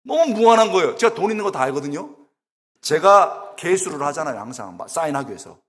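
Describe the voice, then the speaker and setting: Animated middle-aged preacher with a lively voice. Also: male voice, fairly high pitch, fast. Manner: animated, exclamatory, acts out the people in his stories. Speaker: guest preacher, preaching professor. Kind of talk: sermon with humorous storytelling. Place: church sanctuary. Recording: long church reverb.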